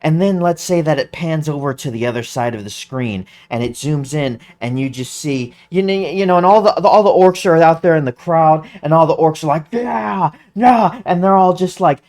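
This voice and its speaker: An online commentator giving excited, casual commentary, stumbling over and restarting words, and humming tunes aloud. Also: mid-range voice, brisk, few pauses. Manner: animated, hums music aloud.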